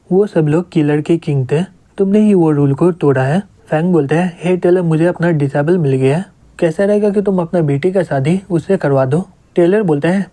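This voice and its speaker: A young man tells a manga story, reading every character's lines in his own steady narrating voice. His voice sits a little high with a soft, mellow tone.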